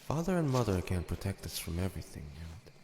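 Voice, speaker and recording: A man voices a horned demon big brother in an audio drama, protective and coaxing. His voice is low, dark and creaky, reassuring in manner. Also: big pitch swings, a little fast. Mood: fond, teasing. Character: gentle, protective demon older brother with horns and claws. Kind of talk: dramatic audio roleplay acting. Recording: echoey, long reverb, faint noise.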